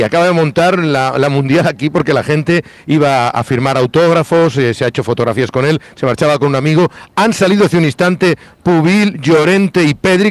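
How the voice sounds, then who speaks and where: A field reporter talks in a rapid stream. His voice sits a touch high, and he sounds pressed to get it all out. The sound is dry and close. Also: no echo. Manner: urgent, fast running commentary. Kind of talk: live on-location sports news report.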